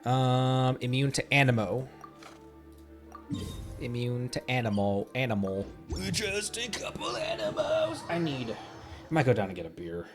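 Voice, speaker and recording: A man's voice: mid-range voice, very animated, unhurried, music in the background. A young man chatting on a gaming livestream, rambling and making puns while he laughs often. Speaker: streamer. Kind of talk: casual gaming livestream chat.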